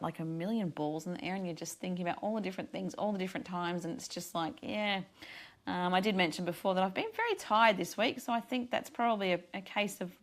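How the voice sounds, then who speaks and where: Tired woman radio host, losing her voice. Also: fairly low pitch. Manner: earnest, rambling, frequent restarts. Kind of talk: casual devotional radio talk.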